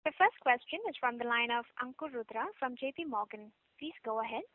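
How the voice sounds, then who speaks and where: A woman operator gives formal, scripted instructions to callers. Her high voice sounds dry and close. It comes through a narrow, tinny phone line. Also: brisk, no room sound. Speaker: conference call operator. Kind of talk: scripted call moderation.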